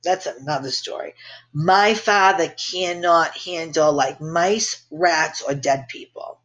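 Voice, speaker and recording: A podcast host with a low, slightly bright voice takes her time telling a family story casually. She's brash and profane and laughs at her own jokes.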